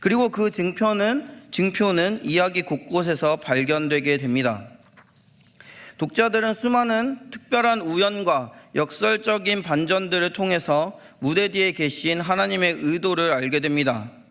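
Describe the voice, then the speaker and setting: Lively intonation marks this man's high-pitched voice. He talks at a fairly slow pace with very even loudness. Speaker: pastor. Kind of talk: sermon. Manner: deliberately slow.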